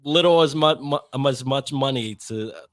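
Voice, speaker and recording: A young man talking in a casual interview, mid-pitched, rambling through his thoughts with plenty of fillers and restarts. The sound is dry and close, with no room around it. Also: normal speed, no echo. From United States. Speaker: podcast guest.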